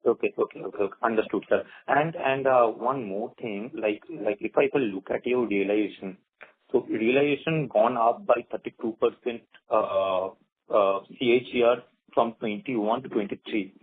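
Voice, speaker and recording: A man with an Indian accent asking questions as an investor on an earnings call, haltingly and with repeated words. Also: mid-range voice, breathy edge. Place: phone call. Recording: tinny phone line, radio-like.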